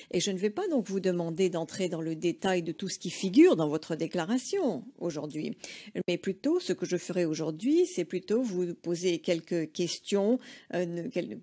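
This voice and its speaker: Une femme interprète de tribunal, qui traduit en simultané avec un débit mesuré et des hésitations fréquentes. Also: female voice, fairly low pitch, warm tone. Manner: measured, hesitant with frequent fillers. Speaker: courtroom interpreter.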